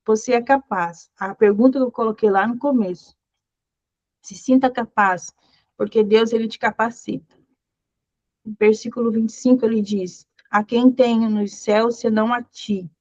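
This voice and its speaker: A fairly high-voiced woman leads a Bible study and encourages her listeners, repeating short phrases and reading verses aloud. The sound is dry and slightly dull. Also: fairly even intonation, normal speed, darkish tone, no room sound. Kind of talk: devotional teaching.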